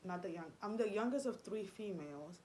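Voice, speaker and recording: A woman's voice: mid-range voice, animated, fairly quick, a little mellow, slight background noise. A young woman, a native Spanish speaker, telling a personal story in a rambling, confiding way with many fillers and restarts. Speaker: vlogger.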